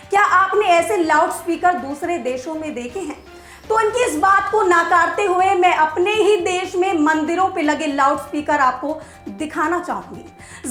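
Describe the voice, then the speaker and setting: A woman's voice: extremely high pitch, a bit bright. A woman news presenter delivers scripted commentary, emphatic and rhetorical with a sarcastic edge. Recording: echoey room with music behind.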